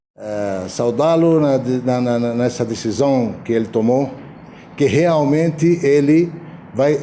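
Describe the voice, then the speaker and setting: A man of medium pitch with a non-native accent speaks at a very slow pace with ordinary pitch variation, amid noticeable background noise and audible room echo. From Syria. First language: Arabic (speaking Portuguese). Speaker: community representative. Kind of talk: speech. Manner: halting.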